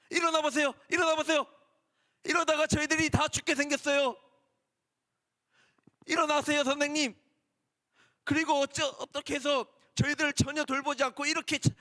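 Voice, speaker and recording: A man's voice: little pitch movement, normal speed, bright, forceful tone, in a large hall. A man playing panicked disciples in a storm. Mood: panicked pleading. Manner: pleading, urgent and high-pitched.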